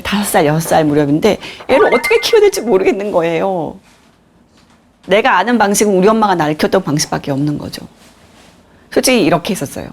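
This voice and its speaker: Woman lecturer telling her own story, lively voice. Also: fairly low pitch. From Korea. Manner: candid, animated storytelling, acts out quoted voices. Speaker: lecturer on nonviolent communication. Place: lecture hall.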